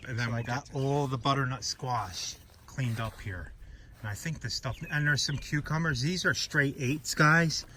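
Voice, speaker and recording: Male garden vlogger, mid-pitched, folksy and informal, clearly noisy outdoor sound. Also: sharp tone. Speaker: vlogger showing his vegetable garden. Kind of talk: casual outdoor vlog chat. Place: outdoors in a breezy backyard garden. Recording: noisy outdoor recording, breezy ambience.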